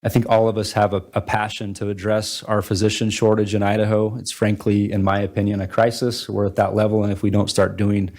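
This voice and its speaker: An American man speaking as a legislator at a meeting, plain-spoken and a little halting. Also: on the low side, a little mellow. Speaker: state legislator and committee co-chair. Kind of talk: public remarks at a meeting.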